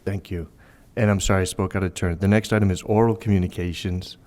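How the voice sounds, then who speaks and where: A man's voice: low voice, fairly even intonation, quick pace, a little mellow. A man chairing a city planning meeting, hesitant and apologetic, with many ums. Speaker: commission chair. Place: council chamber.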